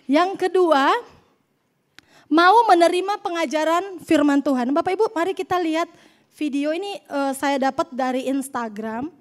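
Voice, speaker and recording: A young woman preaching a sermon, telling the story lively and joking with the congregation. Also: high-pitched, normal speed.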